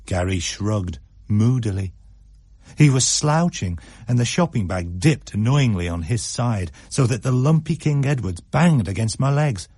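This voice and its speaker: A man reads a story aloud for radio, his voice husky and full of lively swings in pitch. He slows and quickens to shape each scene. The recording is dry and close. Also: no room sound. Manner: expressive, shifts pace for effect. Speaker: narrator.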